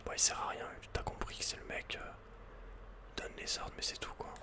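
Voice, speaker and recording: Whispering man, ASMR game commentary. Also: moderate pace. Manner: casual, slangy muttering with mild swearing. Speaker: ASMR gaming streamer.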